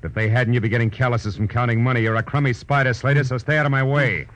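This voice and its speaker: An American actor playing a tough, wisecracking private detective who also narrates, in clipped, slangy 1940s radio style. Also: male voice, medium pitch, steady tone, fast talker, a bit bright, a little hiss or hum, close to an everyday voice. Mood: tough, threatening. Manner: hard-boiled, clipped, slangy. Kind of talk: 1940s hard-boiled radio detective acting. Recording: muffled old radio recording, background music.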